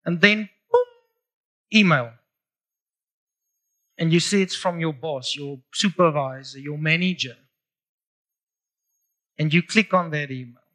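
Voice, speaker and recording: A man's voice: fairly high pitch, normal speed, long pauses, a bit bright, rough recording. A middle-aged man with a South African English accent, preaching a sermon in church, moving from prayer to chatty, upbeat talk with the congregation. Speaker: pastor. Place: church hall.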